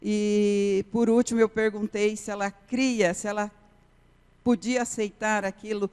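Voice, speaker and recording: Woman, missionary testimony, unhurried, smooth clear voice, long church reverb. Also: mid-range voice, little pitch movement, a little mellow. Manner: earnest storytelling, repeats key phrases. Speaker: missionary preacher. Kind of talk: testimony sermon. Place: church sanctuary.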